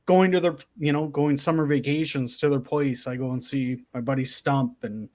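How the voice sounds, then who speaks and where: A man's voice: mid-range voice, steady tone, moderate pace, a little mellow. A man from Canada hosting a live-stream chat, talking in an easygoing, friendly way. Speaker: host. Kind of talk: casual chat.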